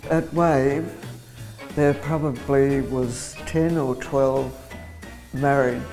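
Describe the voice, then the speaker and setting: Music in the background behind a woman with a very deep, low pitch, fairly even intonation and a very slow pace. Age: 80s+. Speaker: war veteran. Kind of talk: interview answer. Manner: warm, engaging.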